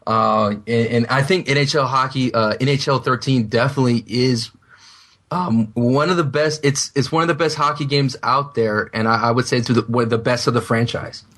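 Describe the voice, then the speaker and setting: A young man from Texas with a mid-pitched voice lays out what changed in a sports game. He talks earnestly and fills his pauses with ums and uhs. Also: a bit bright. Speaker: game reviewer. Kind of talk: casual panel review.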